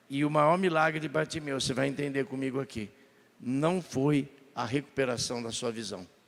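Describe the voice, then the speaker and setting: At a moderate pace, a man speaks in a plain, everyday voice, fairly high-pitched with ordinary pitch variation. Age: 60s. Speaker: pastor. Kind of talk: sermon. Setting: church.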